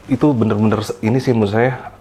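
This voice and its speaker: A man's voice: fairly low pitch, steady tone, quick pace, warm tone, slight background noise. A man, casually telling a horror story as a guest, repeating words for emphasis.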